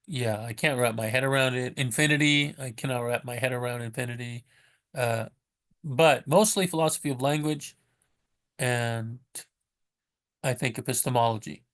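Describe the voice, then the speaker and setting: A man with a mid-pitched voice speaks off the cuff, as in a casual vlog. His delivery is understated and halting, and he often restarts and corrects himself as he works through his thoughts. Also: smooth. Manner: low-key, self-described monotone. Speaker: vlogger recommending books. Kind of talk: casual unscripted vlog talk.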